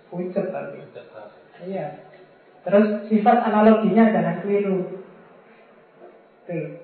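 A man giving an informal religious lecture, teasing his listeners with playful examples. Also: sits high. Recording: tinny, echoey, far from mic.

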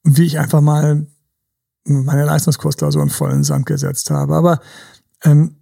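A man's voice: fairly high pitch, flat delivery, moderate pace, gravelly, dark tone. A man, a dating coach, musing in a casual podcast chat and acting out advice to his younger self, now and then dropping into a whisper and slipping in English words. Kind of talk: casual reflective podcast talk.

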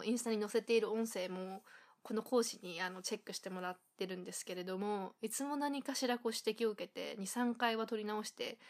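Chatty Japanese woman podcaster. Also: mid-range voice. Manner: chatty, thinking aloud with many fillers. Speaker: podcast host. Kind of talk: casual solo podcast talk.

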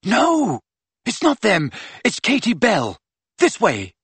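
Guy doing a teen boy, urgent and earnest, higher bright voice, storybook reading. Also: huge pitch swings, a little slow, breathy edge, no room sound, heavily acted.

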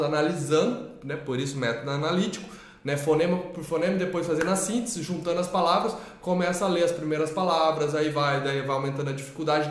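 A man co-hosting a talk on teaching children to read, rambling with many restarts and tag questions. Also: a little high. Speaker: co-host of a literacy channel. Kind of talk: casual explanatory talk. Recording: echoey room.

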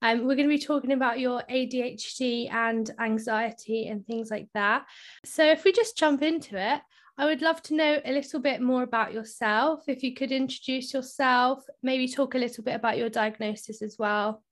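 A woman's voice: high-pitched, normal speed. Friendly woman podcast host. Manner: friendly, asks long questions with fillers. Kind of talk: podcast interview.

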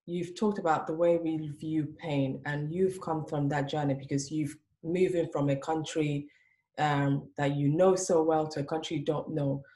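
A woman hosting an interview show, asking questions in a halting, self-correcting way. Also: deep voice, fairly even intonation, dark tone, rough recording. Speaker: host.

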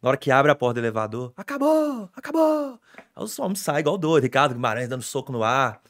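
A young adult man, a sports reporter telling stories in an excitable, animated way on a casual podcast. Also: medium pitch, rapid-fire.

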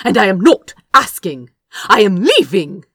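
A woman plays a defiant younger prince from a fantasy storybook. He is principled and indignant, speaking with tart, insistent disapproval and very lively pitch. The sound is dry and close. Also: a little slow, husky, no echo, exaggerated voice. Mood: snapping defiance.

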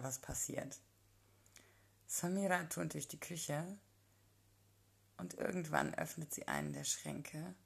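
A woman narrating a first-person erotic story in a calm, intimate storytelling manner. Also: sits low, vocal fry, slightly rough.

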